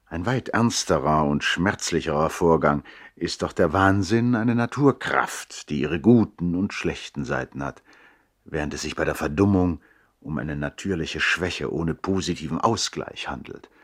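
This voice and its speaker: An actor playing a reflective brother who narrates a 1960s German radio play in a measured, articulate, literary way. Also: male voice, rumbling low, husky, heavily acted.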